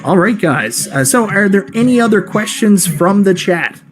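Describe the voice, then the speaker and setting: Male live-show host, enthusiastic, fairly high pitch, keeps things moving. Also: lively intonation, moderate pace, soft background music. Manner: upbeat, enthusiastic. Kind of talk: live-stream hosting.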